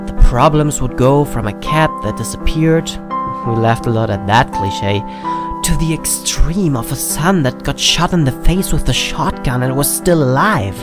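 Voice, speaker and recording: A man's voice: mid-range voice, unhurried, few pauses. A man narrating a scripted first-person horror story as if recalling memories. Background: prominent piano and keyboard music.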